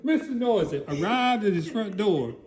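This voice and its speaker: A man's voice: lively intonation, normal speed. A man voicing a goofy alligator who reads a storybook aloud theatrically, rambling and prone to laughter. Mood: hammy, amused. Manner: theatrical, booming shouts, rambling, breaks into laughter. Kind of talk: comedic dramatic storybook reading.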